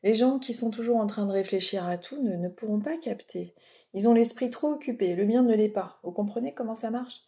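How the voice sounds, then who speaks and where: A woman's voice: fairly high pitch, a little fast, mellow. A woman with a French accent giving oracle card readings in a casual, rambling way, full of fillers and asides. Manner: chatty, rambling, digressive with many fillers. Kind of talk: casual spiritual guidance talk.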